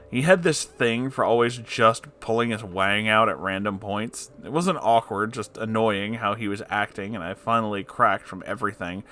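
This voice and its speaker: A man narrating an online story aloud in a dramatic, expressive way, with candid and sweary interjections. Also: on the low side.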